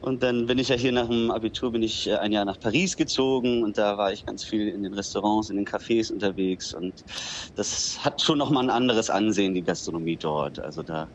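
Relaxed low-voiced man from Berlin. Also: a little fast, slight background noise. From Berlin-Spandau, raised in Dithmarschen. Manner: relaxed, fills with "genau" and "ähm". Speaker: interview guest, bistro owner. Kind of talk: casual interview.

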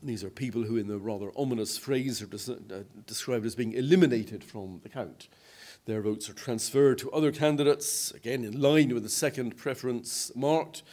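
Older man giving a measured lecture. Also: medium pitch, darkish tone. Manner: measured, explanatory, with frequent restarts. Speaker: lecturer presenting to a convention. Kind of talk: explanatory presentation. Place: hotel conference room.

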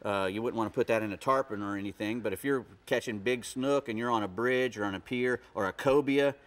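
Brisk and lowish-voiced, the middle-aged guest expert shares fishing tips during a relaxed conversation on a TV studio set. His talk is folksy and meandering, full of frequent restarts.

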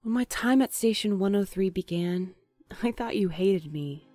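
A woman playing a gentle, hesitant, romantic young courier in an audio drama, thoughtful and a little awkward. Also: mid-range voice, animated, normal speed, dry recording, faint music behind, lightly acted. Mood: awkward, tender.

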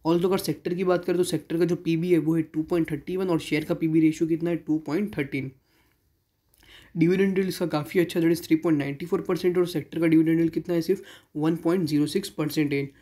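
A man's voice: on the high side, fairly even intonation, quick pace, dark tone. A man hosting a stock market channel, giving a voice-over analysis of share figures and mixing English terms into Hindi, at times correcting himself mid-sentence.

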